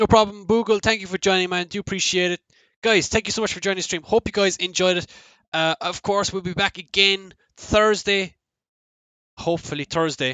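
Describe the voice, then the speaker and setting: Talking at a fairly quick pace, a man uses a high pitch and fairly even intonation. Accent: Irish. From Ireland. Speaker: gaming streamer. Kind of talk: live stream chat. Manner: casual, rambling with fillers.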